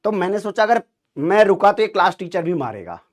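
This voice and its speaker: A man telling students a story in an animated, dramatic way, acting out the dialogue. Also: high-pitched, a little fast. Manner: lively, dramatic, acts out dialogue.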